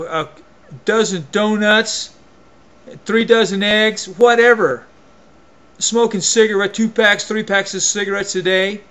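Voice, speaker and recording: A man's voice: high voice, a bit bright. A man delivering an opinion rant to camera as a vlogger, emphatic and folksy, often restarting and repeating his phrases.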